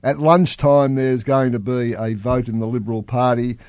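A man's voice: medium pitch, steady tone, moderate pace, a little mellow, dry recording. Blunt Australian man hosting a podcast. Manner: blunt, swears casually. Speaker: podcast host. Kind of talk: casual chat.

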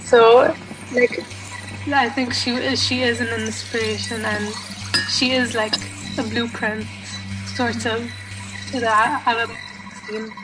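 A woman musician answering interview questions haltingly, with many fillers and restarts. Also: a little high, flat delivery, poor audio. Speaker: musician guest. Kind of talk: casual interview. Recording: music playing behind.

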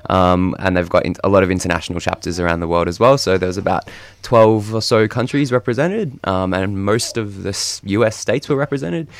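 A man's voice: sits low, fairly quick, hardly any pauses. A young Australian man giving a casual radio interview, explaining things in a rambling, tentative way. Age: young adult. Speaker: interview guest, student group representative. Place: radio studio.

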